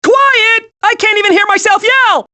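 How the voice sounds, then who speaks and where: An actor playing a hyperactive, childlike young squirrel in an animated video game, excitable and naive. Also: male voice, extremely high pitch, moderate pace, heavily acted. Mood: giddy, excitable. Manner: excitable, naive, wide-eyed.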